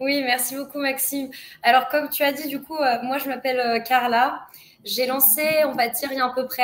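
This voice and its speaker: Fairly even intonation in a woman's high voice. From France, Paris. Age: 20s. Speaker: student and political social media creator. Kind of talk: interview. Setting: live stream.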